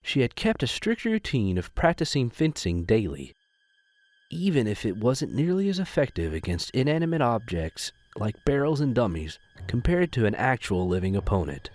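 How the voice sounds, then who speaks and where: Animated male story narrator. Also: medium pitch, moderate pace, dry recording. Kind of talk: expressive scripted story narration.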